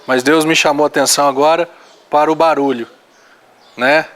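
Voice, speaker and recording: High-voiced man preaching. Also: steady tone, moderate pace, fairly bright tone. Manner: earnest, exhorting, reads scripture aloud. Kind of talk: sermon.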